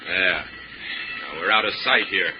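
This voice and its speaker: An actor playing a hard, cautious ex-convict ringleader, gruff and domineering, in a 1940s radio crime drama. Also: male voice, deep voice, takes it slowly, loud music behind the voice. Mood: wary, bossy. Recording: muffled, hissy old radio recording.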